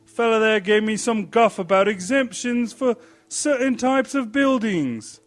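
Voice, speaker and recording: A man voicing a grumpy, belligerent male neighbor who talks in a loud, gruff, complaining way. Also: high-pitched, lively intonation, measured pace, soft background music, voice pushed up. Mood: irate. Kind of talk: audiobook character voice.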